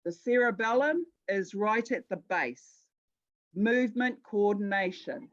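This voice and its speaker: A New Zealand woman presents an educational talk in a mid-pitched voice. She is conversational and emphatic, moving between explanation and storytelling. The recording is dull and slightly muffled. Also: lively intonation, unhurried. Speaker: guest speaker at a Māori health conference.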